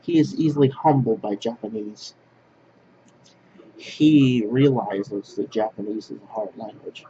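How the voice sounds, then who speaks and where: A man from northwest Pennsylvania, talking to camera in a halting, rambling monologue that keeps restarting its phrases. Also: lowish voice. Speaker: language vlogger. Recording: dull lo-fi sound with clear background noise.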